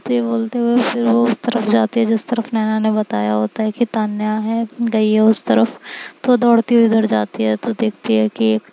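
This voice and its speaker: A woman narrating a romantic story in a relaxed, conversational way. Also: on the high side, normal speed, gravelly, poor audio.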